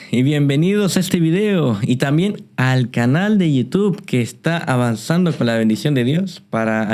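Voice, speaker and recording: A man hosting a Christian interview, measured, often repeating his guest's words back. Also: medium pitch, a little mellow. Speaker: host.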